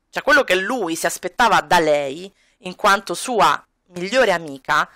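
A woman's voice: lowish voice, a bit bright, no echo, studio quality. A woman narrating a life-sim game in casual commentary, chatty and explaining, often addressing her viewers directly. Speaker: let's play narrator.

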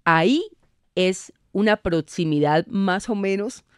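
A Colombian woman appears as a guest on a radio show, patiently explaining spelling rules from the studio in a slow, clear voice of medium pitch with a resonant tone and no room sound. She's didactic and laughs easily.

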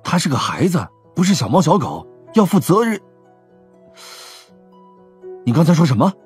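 A man acting a raspy higher-voiced young detective. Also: wildly swooping pitch, moderate pace, darkish tone, faint music behind, heavily acted. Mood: earnest, insistent. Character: gentle, responsible young male police detective. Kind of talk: audio drama acting.

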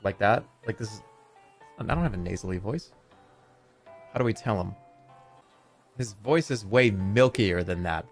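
A man's voice: lowish voice, a little slow, pauses often, faint music behind. A man in his thirties streaming from home, rambling and swearing as he chats, on a desk mic. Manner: animated, rambling, swears a lot. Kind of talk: casual livestream chatter.

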